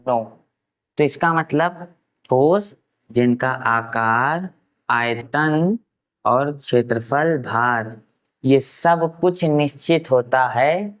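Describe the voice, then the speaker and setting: A man from Uttar Pradesh giving a science lesson, asking rhetorical questions and answering them himself, and slowly repeating key terms for note-taking. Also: on the high side. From Uttar Pradesh, India. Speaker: science teacher. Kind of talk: classroom science lecture.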